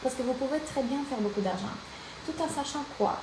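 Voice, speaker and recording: Woman, Italian accent, live coaching stream, energetic and direct, echoey room, background noise. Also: high voice, a little fast. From Italy. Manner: energetic, direct, addresses viewers as you. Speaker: life and business coach.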